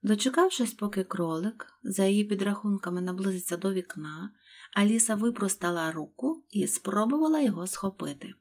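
A woman narrating a fairy-tale audiobook in calm, soft storytelling. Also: medium pitch, a little fast, breathy edge.

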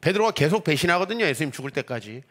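Lively high-voiced male pastor preaching. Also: rapid-fire. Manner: animated, rhetorical questions, acts out quoted voices. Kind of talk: sermon.

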